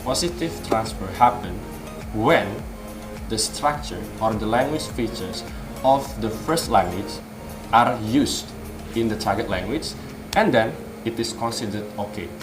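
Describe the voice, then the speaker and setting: Young Indonesian-accented male teacher, lowish voice, patient explainer; echoey outdoor take with music under. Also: animated, a little slow. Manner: patient, explanatory, asks and answers his own questions. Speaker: English teacher. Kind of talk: explaining in a casual interview. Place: outdoor patio with trees. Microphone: studio mic on a stand.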